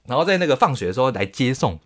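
Male Taiwanese podcast host, animated storyteller, crude slang, lively pitch swings. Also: racing. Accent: Taiwanese Mandarin. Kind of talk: storytelling monologue.

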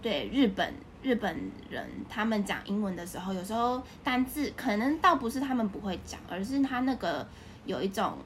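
A woman's voice: medium pitch, lively intonation, moderate pace, a little hiss or hum. A young woman with a Taiwanese Mandarin accent, an interview guest explaining things in an agreeable, casual way. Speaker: interview guest, English teacher.

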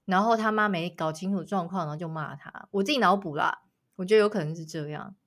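Woman, podcast co-host, fast talker, casual chat, brisk reflective tone. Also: on the low side, a bit bright.

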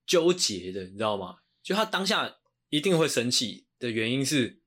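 A man's voice: medium pitch, sing-song, moderate pace, fairly bright tone, slightly rough. A man, co-hosting a podcast, joking crudely and swearing freely. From Taiwan. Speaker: podcast co-host. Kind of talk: casual chat.

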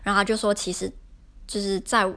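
A woman's voice: medium pitch, little pitch movement, a little fast, sharp tone. A young woman, telling a story casually in an exasperated, rambling way. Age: young adult. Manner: exasperated, rambling retelling with many fillers. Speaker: podcaster.

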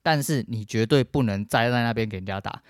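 A man's voice: mid-range voice, fairly quick, no room sound, clean studio sound. A middle-aged man with a Taiwanese Mandarin accent, hosting a podcast in a blunt, profane, emphatic casual rant. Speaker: podcast host.

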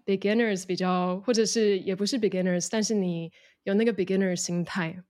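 A woman's voice: mid-range voice, fairly even intonation, moderate pace, darkish tone. A woman English coach speaking Mandarin with a slight English-influenced accent, explaining in an interview and dropping in English words. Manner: mixes English words into Mandarin, demonstrates phrases.

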